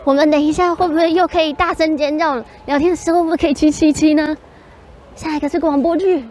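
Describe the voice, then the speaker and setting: A woman with a very high voice and a Taiwanese Mandarin accent. She chats casually and excitedly, like a vlogger following a live show. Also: quick pace, a little hiss or hum. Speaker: voice actress vlogging an awards night. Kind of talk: excited casual chat while watching an awards livestream.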